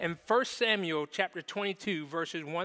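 An animated man with an American accent speaks at a fairly high pitch in a bright, sharp tone, the sound dry and close with no echo on a very clean recording with a silent background. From US South, Jacksonville, Florida. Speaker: guest preacher. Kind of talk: sermon. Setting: church.

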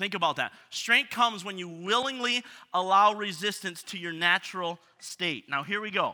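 A raised, projected voice with a bright, sharp tone, at a moderate pace, with ordinary pitch variation and big swings in loudness. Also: man, high pitch for a man. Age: 30s. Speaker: pastor. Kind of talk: sermon. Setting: church.

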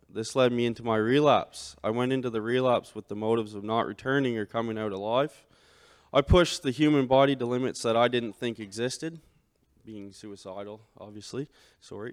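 In a very clean recording with a silent background and a dry, close sound with no echo, a man with a Maritime Canadian accent talks fairly quickly at a medium pitch, his intonation fairly even and his loudness swinging widely. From Saint Stephen, New Brunswick, Canada. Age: 20s. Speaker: recovering addict giving testimony. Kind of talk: testimony. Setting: church service. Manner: halting.

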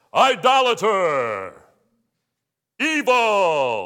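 In a put-on character voice, a man speaks at a high pitch in a raised, projected voice, his pitch swinging very widely. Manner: booming, scolding.

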